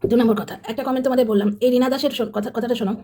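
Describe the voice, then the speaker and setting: A woman commentator delivers an opinionated monologue straight to her audience. Her voice sits high and her words tumble out quickly. She sounds combative and sarcastic throughout. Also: fairly even intonation, mellow. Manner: combative, sarcastic, addresses viewers directly. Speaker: commentary channel host.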